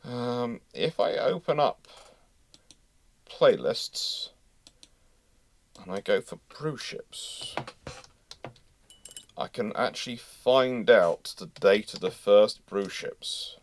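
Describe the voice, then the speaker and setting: Low-voiced man chatting as livestream host. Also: expressive, slow pace, pauses often. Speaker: host of a naval history livestream. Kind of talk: casual livestream chat.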